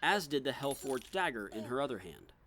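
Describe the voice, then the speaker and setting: A man's voice: mid-range voice, very animated, a little fast, crowd noise. A man reading scripted dramatic narration as the narrator of a story. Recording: clear background noise, clicks.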